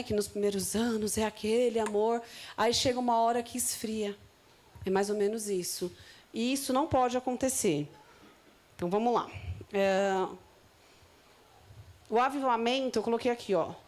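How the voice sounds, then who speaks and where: A woman with a Brazilian Portuguese accent preaching a sermon, reading scripture aloud slowly and then explaining it in loose, conversational asides. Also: a little high, a little mellow.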